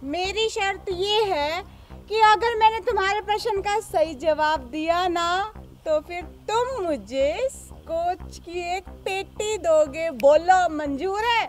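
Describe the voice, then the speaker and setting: Backed by faint music, a woman speaks at a very slow pace in an extremely high pitch with ordinary pitch variation. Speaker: comic lead in staged skit. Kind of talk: acted comedy dialogue. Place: open country.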